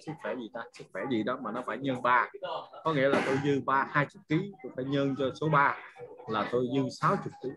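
A man in his forties, a business trainer, talking casually on a video call from home, rambling and laughing as he asks his listeners questions. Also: medium pitch. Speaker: business trainer hosting a morning Zoom session. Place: home room with guests over. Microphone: webcam microphone on a video call. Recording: loud crowd chatter behind the voice. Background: noisy party crowd in the house.

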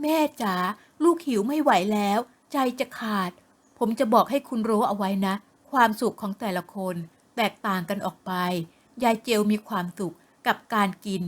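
A woman voicing an easygoing, indulgent middle-aged father who talks in a calm, coaxing way. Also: medium pitch, natural voice.

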